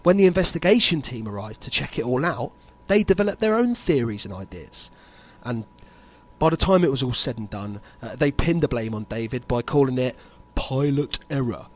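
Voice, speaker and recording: This amateur audio drama features a man cast as a grave insider who reveals a sinister conspiracy with deliberate delivery and dramatic pauses. The performance is lightly acted, his mid-range voice lively in intonation, his manner grave and certain.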